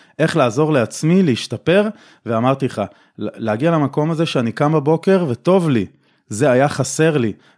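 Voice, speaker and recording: A man with an ordinary speaking voice, fairly high in pitch, with lively intonation at a moderate pace, on a very clean recording with a silent background. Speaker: podcaster. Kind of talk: casual chat.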